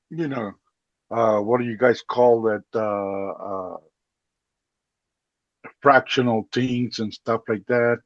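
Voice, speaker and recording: A man's voice: medium pitch, no room sound. A man whose first language is Spanish, calling in and searching for English words with many "uh"s. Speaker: caller. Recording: dull dry call-in audio.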